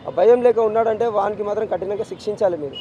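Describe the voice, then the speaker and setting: A man's voice: high voice, fast, crowd noise, rough recording. Anguished father with a Telangana accent. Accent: Telangana Telugu. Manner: anguished, insistent, repeats demands for justice. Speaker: bereaved father being interviewed. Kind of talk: street news interview. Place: outdoors on a city street.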